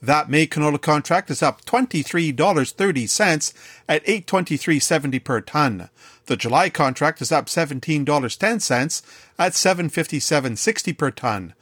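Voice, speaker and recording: A Canadian man reading a scripted radio farm market report in a measured newsreader delivery. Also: on the high side, a bit bright, husky, no room sound, clean studio sound.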